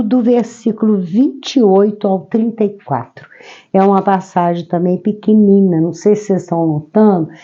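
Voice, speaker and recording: A woman from Brazil, hoarse from a cold, gently explaining a Gospel passage verse by verse. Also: mid-range voice. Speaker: Bible teacher. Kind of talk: devotional Gospel commentary. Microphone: own microphone. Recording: slightly dull lo-fi recording.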